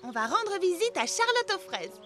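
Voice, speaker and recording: A woman's voice: very high voice, big pitch swings, normal speed, noisy background. A woman voicing an exasperated but affectionate young girl in a dubbed children's cartoon, coaxing and scolding expressively. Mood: friendly. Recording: music behind the voice.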